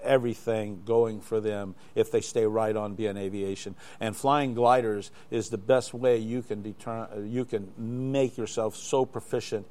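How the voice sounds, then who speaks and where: A man's voice: lowish voice, fairly even intonation, measured pace, hardly any pauses, darkish tone. An older man, a guest in a live studio interview, telling anecdotes in a rambling way with many restarts. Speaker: interview guest, glider flight examiner.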